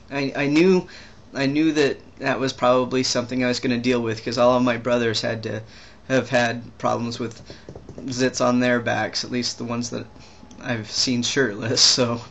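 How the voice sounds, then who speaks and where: A young trans man talking casually in a video diary, rambling and halting with many restarts and fillers. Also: mid-range voice, a bit bright, slight background noise. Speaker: vlogger.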